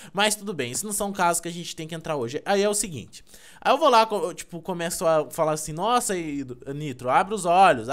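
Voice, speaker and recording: A man's voice: sits high, a bit bright. A young Brazilian man hosting a gameplay video, teasing his friend in rambling casual chat full of fillers. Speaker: gaming YouTuber.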